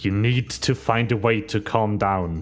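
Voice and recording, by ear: With music in the background, a man uses a put-on character voice, gravelly and fairly low in pitch, at a fairly slow pace.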